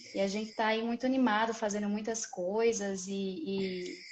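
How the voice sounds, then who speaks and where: The speaker is a woman with a northeastern Brazilian accent. Her pitch variation is ordinary. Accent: northeastern Brazilian (Natal), noticeable. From Brazil, Natal (Rio Grande do Norte). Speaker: law professor and lawyer. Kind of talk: live stream interview.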